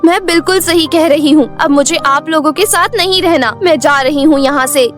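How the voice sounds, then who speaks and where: A woman's voice: high-pitched, normal speed, faint music behind, natural voice. A woman voicing a jealous, spiteful schoolgirl in a cartoon fairy tale, defiant and self-justifying. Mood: defiant, aggrieved. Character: spiteful, jealous teenage schoolgirl stepsister, whiny and scheming.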